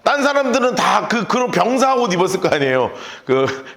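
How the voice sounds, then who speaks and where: A pastor leading a lively Bible study lecture, acting out scenes and shouting the quotes. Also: male voice, high voice, a little fast, vocal fry, roomy sound. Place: church hall.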